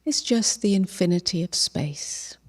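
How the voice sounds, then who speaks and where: A female meditation teacher guides a session gently and without hurry, leaving long pauses and letting phrases end in a soft, breathy way. Her voice is fairly low and animated.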